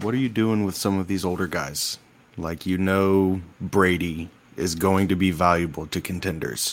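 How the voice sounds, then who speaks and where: A man with an American accent speaks at a moderate pace in a very deep, low voice, with ordinary pitch variation, on a very clean recording with a silent background. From South Carolina. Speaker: live show co-panelist reading listener questions. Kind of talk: live-stream Q&A chat.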